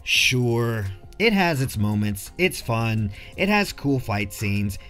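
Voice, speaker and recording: A man's voice: mid-range voice, very animated, takes it slowly, a bit bright, faint music behind. A man narrating a casual scripted film review in a jokey, slangy way.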